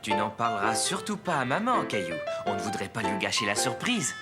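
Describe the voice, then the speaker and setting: A man voicing a patient, reassuring father in a French children's cartoon, speaking gently and expressively. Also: on the low side, very animated, brisk, over loud music. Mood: upbeat.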